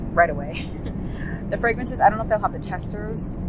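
Over loud background noise, a woman talks very fast, the sound dry with no echo. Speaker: travel vlogger. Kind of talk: casual vlog chat. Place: plane. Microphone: phone near.

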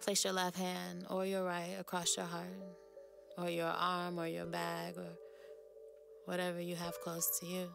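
Over music in the background, a woman speaks in a soothing tone at a fairly slow pace, with long, frequent pauses. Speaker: yoga teacher. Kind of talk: guided chakra meditation. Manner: soothing, casual.

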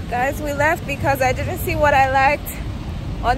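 The sound is dry with no echo as a woman speaks at a fairly slow pace over noticeable background noise. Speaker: travel vlogger. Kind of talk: casual vlog chat.

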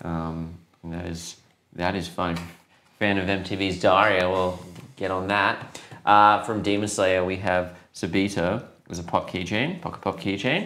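A man's very deep, low voice in an Australian accent at a fairly slow pace, with long, frequent pauses. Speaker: retail livestream host presenting collectibles. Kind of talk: casual live-stream product showcase. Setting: studio live stream. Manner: animated. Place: shop. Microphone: lapel.

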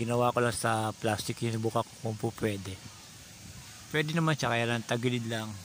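Against noticeable background noise, a man talks at a fairly quick pace, the sound dry with no echo. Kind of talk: casual vlog chat. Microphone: phone near.

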